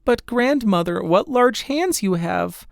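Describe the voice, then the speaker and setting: A man's voice: high-pitched, lively intonation, takes it slowly, gravelly, no room sound, clean studio sound, voice pushed up, exaggerated voice. A man voicing an innocent, anxious little girl in a storybook, earnest and full of wonder.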